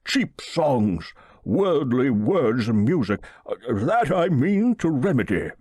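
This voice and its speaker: A man voicing a pompous, pious old millionaire with a solemn, slow drawl in an audiobook story. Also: medium pitch, sing-song, darkish tone, slightly rough, dry recording, clean studio sound, voice pushed up, heavily acted. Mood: pious, grandiose. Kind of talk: audiobook character voice.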